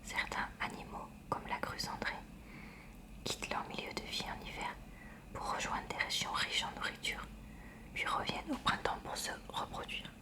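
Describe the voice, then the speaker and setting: Woman reading in a hushed library whisper. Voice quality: breathy, unvoiced library whisper. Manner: hushed, careful, measured reading. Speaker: ASMR reader. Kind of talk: soft ASMR read-aloud of a school science textbook.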